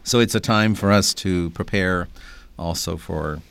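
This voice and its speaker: A man's voice: sits low, a little slow, creaky, fairly bright tone, clear, resonant tone. An older man, a Catholic bishop, reading scripture and reflecting on faith in conversation. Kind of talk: Gospel reading and reflective talk.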